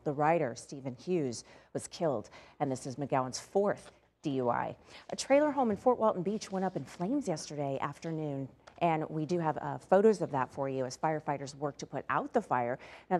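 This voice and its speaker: Brisk, upbeat woman anchoring morning news. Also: low voice, a little mellow. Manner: brisk, upbeat delivery with chatty asides. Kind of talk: live morning news reading and chat.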